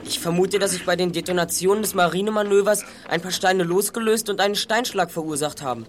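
A man's voice: high voice, fast, slight background noise, close to an everyday voice. A male actor playing a clever teenage detective in a radio play, articulate and self-assured. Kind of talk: German radio play acting.

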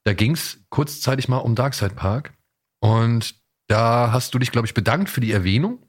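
A man hosting a casual podcast, talking in a halting, colloquial way. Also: medium pitch, animated, breathy edge. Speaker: podcast host.

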